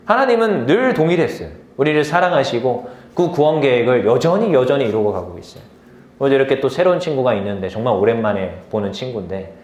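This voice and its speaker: A man in his thirties preaching a casual sermon, telling stories and acting out the voices of the people in them. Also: on the high side. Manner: animated storytelling, acts out quoted voices. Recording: echoey room.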